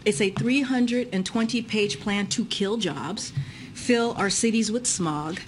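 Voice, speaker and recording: Measured woman at a podium reading prepared remarks, archive clip with faint noise. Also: mid-range voice, rough recording. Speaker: press secretary. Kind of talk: formal press briefing statement.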